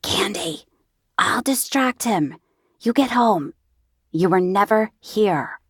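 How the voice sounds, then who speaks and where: A woman's voice: mid-range voice, lively intonation, slow, breathy edge, dry recording, clean studio sound. Woman doing a pushy, impatient teen girl. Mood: hushed urgent. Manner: brusque and insistent. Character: pushy, impatient teenage girl, bold best friend.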